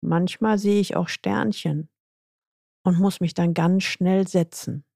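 A woman's voice: on the low side, fairly even intonation, slow, vocal fry, warm tone, dry recording, studio quality, heavily acted. A woman voicing a stressed, frustrated female executive with tense, exasperated complaints, in a plain reading voice. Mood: reflective.

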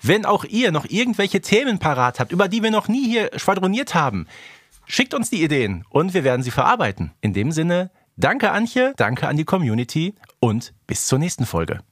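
A man's voice: a little high, big pitch swings, normal speed, dry recording, studio quality. A man co-hosting a fan podcast in a casual, conversational style. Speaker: podcast co-host.

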